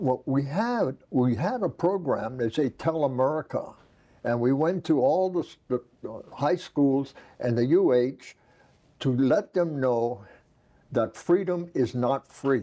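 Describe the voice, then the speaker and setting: In a Hawaiian accent, a man talks at a fairly slow pace, his tone dark and mellow and his intonation lively. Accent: Hawaiian local English. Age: 90s. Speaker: war veteran. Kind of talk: interview. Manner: halting.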